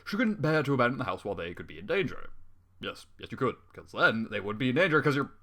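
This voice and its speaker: A man reads a story aloud with a very animated, swooping delivery. He keeps stepping out of the narration to comment in an exasperated, sarcastic, sweary way. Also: medium pitch, quick pace. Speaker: fan fiction reader.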